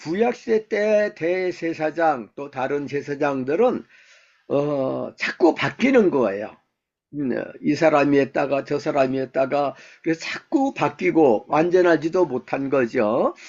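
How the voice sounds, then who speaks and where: Very slow delivery with lively intonation. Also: man, fairly high pitch for a man. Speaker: professor and Bible teacher. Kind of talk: sermon. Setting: video call. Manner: hesitant, many fillers.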